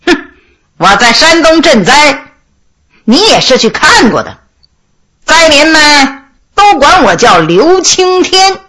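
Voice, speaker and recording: A woman's voice: very animated, slow, long pauses, a bit bright, a little hiss or hum, heavily acted. A woman voicing a defiant, disgraced male official who sneers and speaks scornfully under interrogation. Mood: sneering. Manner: sneering, scornful, with low laughs.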